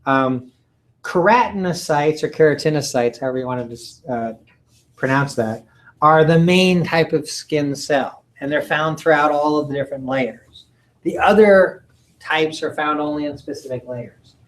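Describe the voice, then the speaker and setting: A man giving a recorded lecture from slides, halting often with ums and uhs and clearing his throat. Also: fairly high pitch, rough recording. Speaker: college lecturer.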